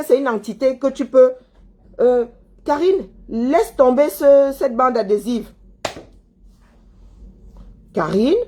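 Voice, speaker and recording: With a high, warm voice, a woman from Cameroon responds to viewers as a commentator. Her heated monologue scolds a listener, circling back over the same points and firing rhetorical questions.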